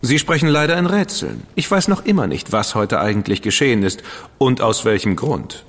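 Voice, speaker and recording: An actor playing a witty, flamboyant dandy writer in a radio drama, speaking in a theatrical, playful and flowery manner. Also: male voice, medium pitch, very animated, normal speed, in a large hall. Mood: teasing. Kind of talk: German studio radio drama acting.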